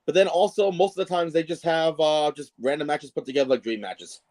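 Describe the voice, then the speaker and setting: Emphatic man chatting casually, slightly high voice. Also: a little fast, a little mellow. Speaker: guest, wrestling ring announcer. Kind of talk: casual wrestling talk.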